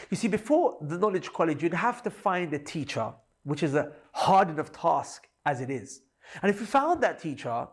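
A man's voice: on the high side, breathy edge. A man giving an upbeat, persuasive promotional announcement for an online college.

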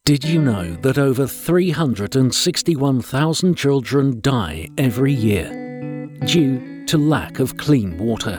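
Man, charity appeal voice-over, earnest, animated pitch, guitar music bed. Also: extremely slow.

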